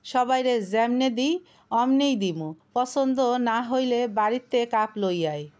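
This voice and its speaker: A woman voicing a gruff, grumpy middle-aged male tea-stall keeper who scolds in rough dialect. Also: high voice, lively intonation, measured pace. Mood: irritated.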